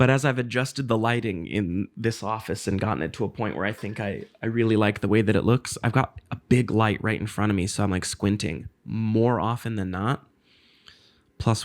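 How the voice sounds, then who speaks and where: This man has a normal speaking voice, pitched fairly low. He talks at a moderate pace with ordinary pitch variation. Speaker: podcast host.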